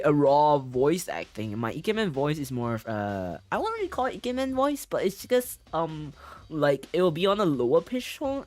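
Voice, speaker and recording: A man streaming a story game, reading its text aloud and chatting with viewers with frequent giggles. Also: a little high. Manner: giggly, chatty, reacting to chat.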